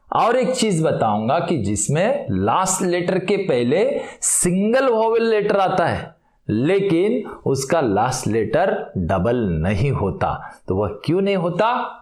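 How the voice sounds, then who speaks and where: A man teaching English grammar, asking questions and answering them himself, stretching out example words slowly. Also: fairly high pitch, sing-song, reverberant. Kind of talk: explanatory lesson with questions to viewers.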